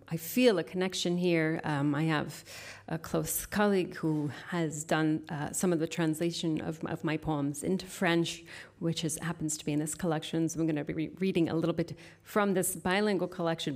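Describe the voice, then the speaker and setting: A woman speaking as a poet at a live reading, with measured, deliberate phrasing into an event microphone. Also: low voice, darkish tone. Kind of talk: live poetry reading with informal introduction. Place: live literary event before an audience.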